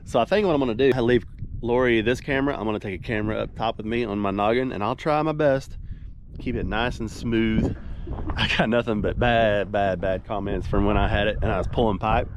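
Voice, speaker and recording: A man's voice: fairly low pitch, brisk. A man, stuffy and nasal from a cold, chatting casually and rambling in a folksy way as he works on a windmill outdoors. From Oklahoma. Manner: rambling, folksy, self-deprecating. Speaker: windmill repairman. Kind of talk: casual vlog narration. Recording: noisy outdoor recording.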